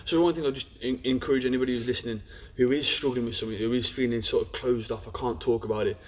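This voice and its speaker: In rapid-fire speech, a young man with a Black Country accent gives a frank telling of his life story as a podcast interview guest. His pitch is medium and his intonation fairly even, with plenty of "you know" along the way.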